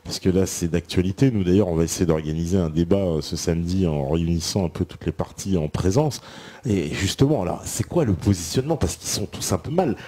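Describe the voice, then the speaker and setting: A man's voice: sits low, fairly quick, dark tone. A man hosting a casual political discussion, chatty, backing up his guest with frequent affirmations. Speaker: host.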